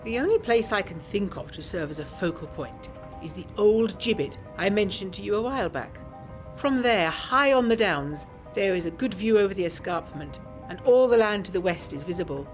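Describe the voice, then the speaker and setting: A woman lightly acts as a genteel, secretive young Englishwoman of the 1920s, narrating a gothic audio drama in the first person with a refined, confiding manner. Her mid-range voice has lively intonation and a moderate pace, with soft music beneath it.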